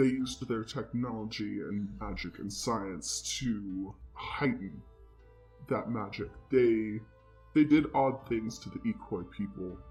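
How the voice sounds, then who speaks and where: Using a rumbling put-on character voice at medium pitch, a man speaks at a fairly slow pace over clear music in the background. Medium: actual play. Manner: grave, measured, formal.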